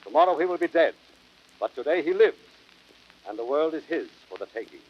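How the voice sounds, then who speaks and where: A man's voice: a little high, sing-song, fairly quick, slightly rough. A man acting as the grand narrator of a radio Roman tragedy, declaiming formally and portentously in 1930s style. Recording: dull, band-limited vintage radio recording.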